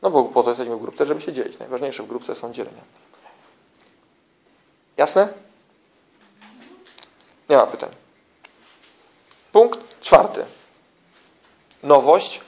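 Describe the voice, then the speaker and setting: A man's voice: mid-range voice, expressive, slow pace, long pauses, darkish tone. A man giving an informal teaching talk to church small-group leaders, conversational and full of restarts, who keeps checking in with his listeners through tag questions. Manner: conversational, with frequent restarts and slang.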